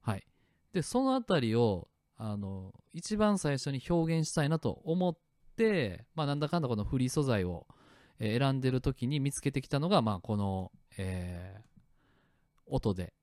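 A man hosting his own show, chatting in a relaxed way about the sound effects he made. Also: medium pitch, moderate pace, no echo, clean studio sound. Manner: relaxed and chatty, many fillers, starts and stops clips. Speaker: podcast host. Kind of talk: casual solo talk explaining his sound effects. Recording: faint music clips playing behind.

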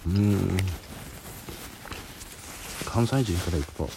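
A man's voice: sits low, slow pace, creaky, noisy background. A man with a Kansai accent talking casually on a solo podcast while reviewing a spicy snack, sweaty and sniffling. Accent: Kansai Japanese. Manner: chatty, self-deprecating, sniffling while eating spicy food. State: sweating and runny nose from spicy food.

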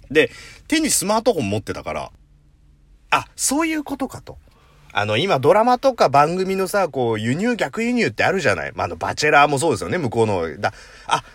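Animated slangy man talking solo. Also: a little high, no room sound. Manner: rough slangy storytelling with playful self-mockery; animated, jumps into acted-out voices. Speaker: podcast host. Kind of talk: casual solo talk monologue.

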